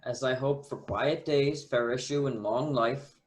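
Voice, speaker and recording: A man's voice: medium pitch, a little slow, natural voice, rough recording. A man playing an earnest, honorable young prince in love, reading formal Shakespearean verse as a radio play.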